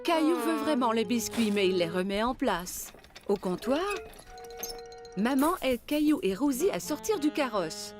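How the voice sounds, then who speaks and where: Animated woman narrating a children's story. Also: fairly high pitch, measured pace. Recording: music behind the voice. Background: music.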